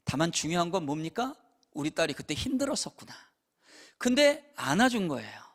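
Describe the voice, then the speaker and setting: A pastor in his fifties delivers a revival sermon in a church sanctuary. His voice sits high for a man and leaps up and down as he tells family stories. He acts out the parents and the children as he goes. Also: a little fast. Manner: animated storytelling, acting out parents and children.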